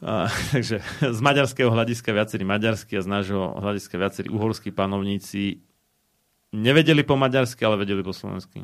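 Talking very fast at a fairly low pitch, the man shows ordinary pitch variation. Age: 40s. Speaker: radio host. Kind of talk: casual chat. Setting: studio.

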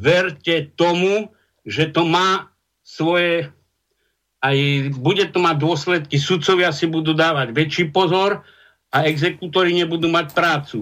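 A man's high voice at a fairly slow pace, very even in loudness. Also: fairly even intonation. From central Slovakia. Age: 60s. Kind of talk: live radio talk show discussion.

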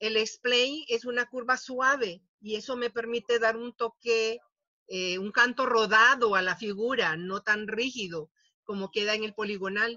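A woman uses an unremarkable speaking voice, talking fairly slowly with fairly even intonation. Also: fairly high pitch for a woman. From Mexico. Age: 60s. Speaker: mathematics professor. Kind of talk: lecture. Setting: video call.

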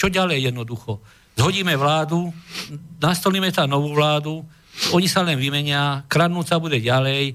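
Moderate speed and ordinary pitch movement in a man's speech. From Slovakia, Nové Zámky. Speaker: panel guest, citizen with legal grievances. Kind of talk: studio panel discussion. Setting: studio.

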